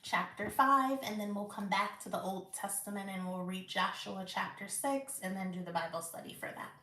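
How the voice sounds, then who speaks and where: A woman hosting a live Bible reading and study, reading aloud slowly and carefully with small slips and restarts. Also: mid-range voice, fairly even intonation, bright, forceful tone, echoey room. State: out of breath.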